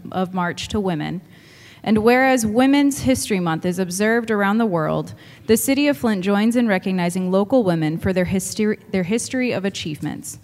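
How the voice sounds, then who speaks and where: A woman, a councilwoman, reading a formal resolution aloud in a measured way in council chambers. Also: medium pitch, a little mellow, long reverb tail.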